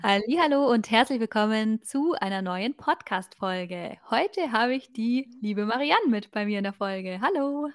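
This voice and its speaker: A woman's voice: on the high side, lively intonation, unhurried, few pauses, soft background music. A woman hosting a podcast, asking questions in a friendly, light way and laughing often as she affirms her guest. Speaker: podcast host. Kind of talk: casual podcast interview.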